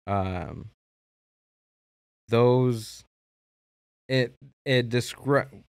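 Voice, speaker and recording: A man from Mexico hosts a casual podcast chat in a studio, rambling and halting, often restarting his sentences. His voice is lowish and creaky, and the recording is dry.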